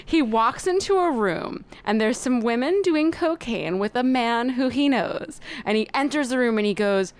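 A woman guest on a casual podcast, bubbly and laughing often. Her voice sits fairly high. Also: animated, moderate pace, hardly any pauses, clear, resonant tone.

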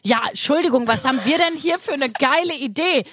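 High-voiced woman telling stories on a podcast. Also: fairly quick. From Berlin. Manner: animated storytelling, quoting people. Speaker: podcast co-host. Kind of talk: casual chat.

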